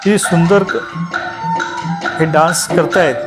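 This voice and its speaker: A man narrates a travel vlog in an explanatory way, pausing and restarting mid-sentence. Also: fairly high pitch, fairly even intonation. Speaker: travel vlogger. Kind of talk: unscripted vlog voice-over narration. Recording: loud instrumental music behind voice. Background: loud music with instruments.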